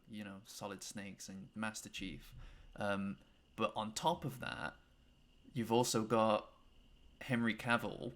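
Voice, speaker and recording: A man's voice: fairly low pitch, a bit bright. A young man hosting an interview, asking long rambling questions full of fillers and laughs. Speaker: interviewer host. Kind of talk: casual interview chat.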